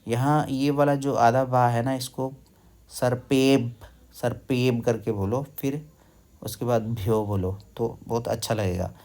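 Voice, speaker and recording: A man teaching wedding mantras, reciting slowly and breaking words into syllables for the listener to repeat. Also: mid-range voice, steady tone, darkish tone. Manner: slow, careful recitation with syllable-by-syllable drilling. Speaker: Sanskrit teacher.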